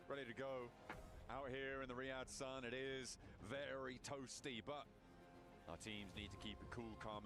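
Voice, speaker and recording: A man casting esports outdoors at an event, joking in rambling, deadpan asides. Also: medium pitch. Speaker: esports caster. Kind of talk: esports play-by-play commentary.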